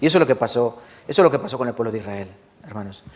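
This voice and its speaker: The man's intonation is lively. He speaks very fast. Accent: Castilian. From Spain. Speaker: preacher. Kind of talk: sermon.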